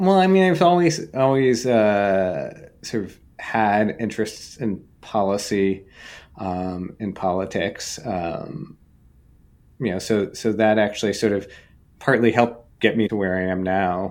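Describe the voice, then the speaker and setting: This man speaks with a General American accent at a fairly low pitch, his pitch variation ordinary, in a very clean recording with a silent background. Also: fairly slow pace. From Maryland, US Mid-Atlantic. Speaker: professor. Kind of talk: interview. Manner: matter-of-fact.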